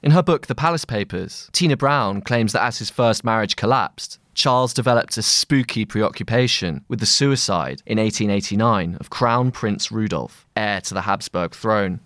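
A man reading a scripted long-form article aloud in a measured, articulate, literary manner. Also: lowish voice, expressive, fairly bright tone, no echo, clean studio sound. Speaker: narrator of a long-read magazine article.

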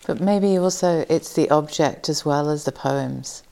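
A woman interviewing in a reflective literary conversation, gentle and tentative, softening her points with tag questions. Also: sits low, unhurried, gravelly. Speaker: podcast interviewer. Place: in-person conversation at an institute.

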